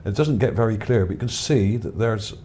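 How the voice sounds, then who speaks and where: Speaking fairly quickly in a dark, fairly low voice, a man narrates his video by remarking on images he found. His talk is loose and unscripted, musing and hesitant, and noise runs in the background.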